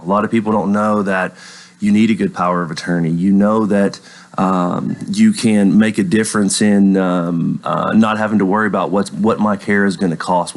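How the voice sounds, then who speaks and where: A man from Tennessee, explaining his work as a guest attorney in a polite, earnest, conversational way. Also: low-pitched. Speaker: elder law attorney, interview guest. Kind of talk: conversational radio interview.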